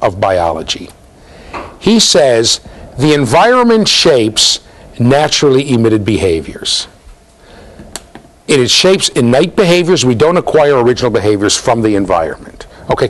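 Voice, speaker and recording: A middle-aged man giving an interactive university lecture, quizzing his students as he talks. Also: medium pitch. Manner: questioning students, lively, gestures while talking. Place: office with bookshelves, linked to a classroom.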